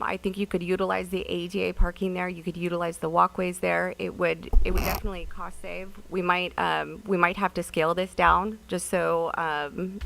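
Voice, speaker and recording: Low, creaky-voiced woman, matter-of-fact. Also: fairly bright tone, rough recording. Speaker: city staff member presenting a project. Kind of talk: answering questions in a public meeting.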